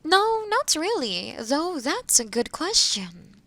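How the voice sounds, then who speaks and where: A woman plays a gentle, scholarly forest witch in a fantasy audio roleplay. Her voice is on the high side and swings expressively, with an unhurried pace. She explains with care and patience, softly reassuring. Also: very animated, no echo, heavily acted. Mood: thoughtful, instructive. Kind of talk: scripted audio roleplay, conversational.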